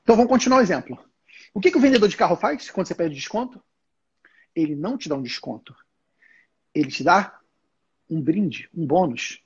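High-voiced, husky man teaching live. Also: lively intonation, fairly quick, pauses often, darkish tone, muffled recording. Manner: informal, addresses the audience directly, acts out salesman dialogue. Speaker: live stream host teaching sales to accountants. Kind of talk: casual live-stream teaching. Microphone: headset.

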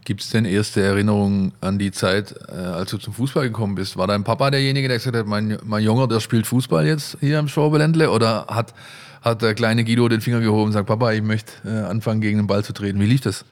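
Male host, low voice, rambling questions in an interview. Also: steady tone, fast talker. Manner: asks long, rambling questions. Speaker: podcast host.

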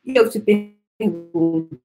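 A woman with a Brazilian Portuguese accent hosting a motivational live-stream talk, energetic and coaxing, fond of repeating phrases like a mantra. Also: mid-range voice, takes it slowly, faint music behind. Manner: speaks intimately to the listener. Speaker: host.

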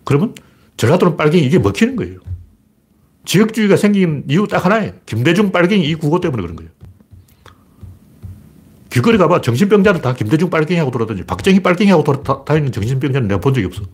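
Husky, animated male political commentator. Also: on the high side, quick pace. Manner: animated, blunt and emphatic, with frequent laughs and repeated phrases. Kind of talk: casual political monologue.

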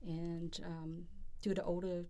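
Earnest middle-aged woman, lowish voice, halting and heartfelt. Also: flat delivery, mellow. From Vietnam. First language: Vietnamese. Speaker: interviewee, federal employee. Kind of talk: personal interview.

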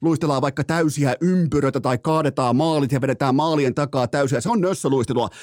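A man's voice: medium pitch, darkish tone, no echo, clean studio sound. A man hosting a sports podcast, ranting in a theatrical, profane, mock-outraged way and stretching words out for emphasis. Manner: drawn-out emphatic phrasing. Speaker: podcast host. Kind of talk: comic sports rant.

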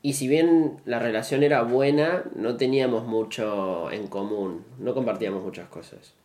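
A man's voice: mid-range voice, moderate pace, a little mellow. Man, casual chat, reflective, self-deprecating. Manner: reflective, self-deprecating, uses "súper" and "o sea". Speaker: interviewee, dancer. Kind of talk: casual conversation.

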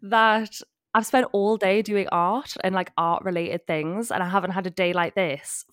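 A woman's voice: medium pitch, fairly even intonation, measured pace, a bit bright, dry recording, clean studio sound. A woman co-hosting a casual chat, congested with a cold and speaking with frequent filler words. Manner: chatty, with filler likes. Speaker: podcast co-host.

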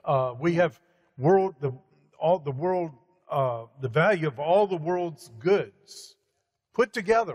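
Emphatic preacherly man, slightly high voice. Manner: emphatic, preacherly, many fillers. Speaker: guest speaker. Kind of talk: conversational preaching. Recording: hall reverb.

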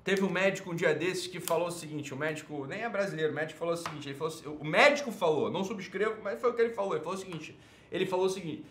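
A Brazilian-accented man hosting a livestream, railing at his audience in a mocking, insulting rant. His voice sits a little high and lurches from mumbling asides to bursts of yelling. The sound carries a noticeable room echo over faint background noise. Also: racing. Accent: Brazilian Portuguese. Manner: sarcastic, insulting, swings from muttering to shouting. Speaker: livestream host. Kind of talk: ranting livestream monologue.

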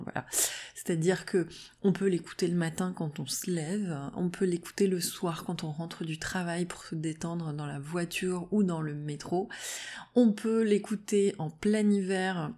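A woman's voice: on the low side, mellow. A woman hosting her own podcast as a naturopath, talking casually with many fillers and restarts. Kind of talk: casual solo podcast talk.

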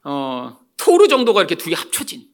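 A male pastor preaching an expository sermon, animated and often calling out to the congregation. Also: a little high, normal speed.

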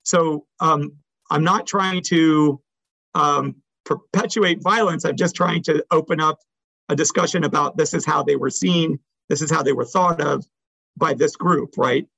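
A man's voice: on the high side, steady tone, measured pace, creaky, bright, forceful tone, husky, no echo, low-quality recording. A man speaking as an academic, answering audience questions after a talk in an explanatory, hedging way that often checks in with the listeners.

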